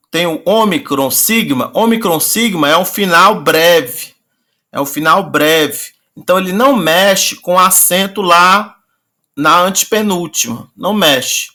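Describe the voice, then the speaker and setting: Bright-voiced teacher, patient. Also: male voice, sits high. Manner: patient, repeats and slowly draws out words. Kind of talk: online class lecture.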